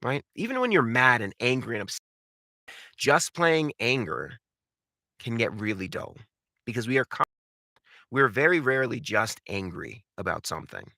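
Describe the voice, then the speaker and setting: A man's voice: mid-range voice, sing-song, normal speed, creaky, long pauses, sharp tone, no room sound, clean studio sound. A man coaching voice acting in an instructional talk, speaking emphatically and often posing rhetorical questions. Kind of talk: instructional talk with acted examples.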